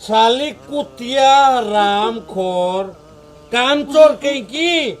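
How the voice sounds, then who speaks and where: A man acts out a drunken husband in a homemade drama, slurring his words and hurling insults. His voice sits very high and drags along at a very slow pace. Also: heavily acted. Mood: angry. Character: abusive drunken husband, demanding money. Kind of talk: amateur short drama.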